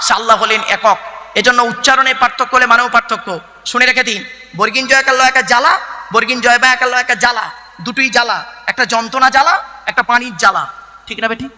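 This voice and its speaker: A man's voice: very high-pitched, bright, forceful tone, long reverb tail. A male preacher gives a waz sermon, emphatic and teaching, with many rhetorical questions. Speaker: Islamic preacher.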